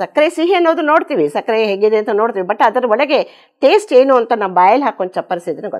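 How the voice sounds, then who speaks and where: Very wide pitch swings from a female speaker, the background quiet. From Hyderabad, India; India. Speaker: meditation teacher. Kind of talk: interview. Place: studio. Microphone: lapel.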